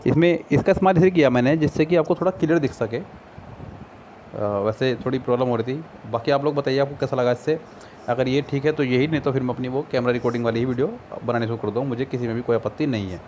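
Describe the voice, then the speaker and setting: An Indian-accented man who speaks Hindi patiently explains English exam material over a screen recording, reading sentences slowly. The mid-range voice is a little mellow, and the screen recorder mic catches slight background noise.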